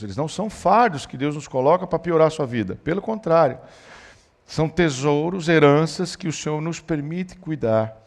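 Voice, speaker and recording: A man, a pastor telling a family story in a church talk on parenting. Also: on the high side. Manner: storytelling, animated when quoting his son.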